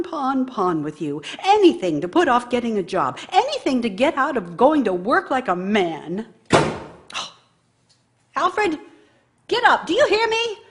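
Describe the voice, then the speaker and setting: An actress playing a bitter, nagging wife in a radio drama, scolding her idle husband with theatrical sarcasm and scorn. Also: high voice. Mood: angry, nagging. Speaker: actor in a radio play.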